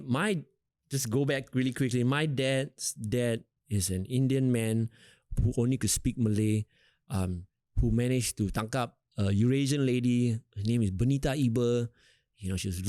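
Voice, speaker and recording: Laid-back Singaporean man, dark dry voice. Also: mid-range voice, no room sound. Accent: Singaporean English. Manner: relaxed, rambling, many fillers and restarts. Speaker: rapper, interview guest. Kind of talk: casual interview chat.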